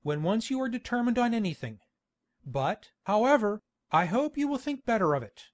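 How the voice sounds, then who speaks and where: A man's voice: sits high, big pitch swings, normal speed. A man playing a hearty, pushy country baronet in a dramatised classic novel, blustering and insistent. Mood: persuading.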